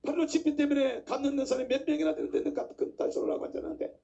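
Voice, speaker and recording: High, gravelly impassioned pastor. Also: male voice, steady tone, fast talker, warm tone. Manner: impassioned, emphatic preaching with rhetorical questions. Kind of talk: sermon. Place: church pulpit. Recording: dull lo-fi recording.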